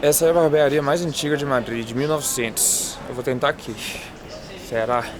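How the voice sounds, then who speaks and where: A man's voice: mid-range voice, steady tone, fairly quick, music in the background. A man from Brazil with a Brazilian accent, a native Portuguese speaker, chatting casually as he hosts a street travel vlog. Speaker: travel vlogger, host. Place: city streets, outdoors. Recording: busy street crowd noise.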